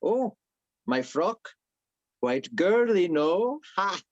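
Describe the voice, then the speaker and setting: A man acts out a merry village elder in his fifties for a film script read. His voice sits fairly high for a man and swings widely in pitch, with a playful, welcoming manner. The sound is close and dry but slightly dull. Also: very animated, very slow, dry recording, exaggerated voice. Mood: jovial.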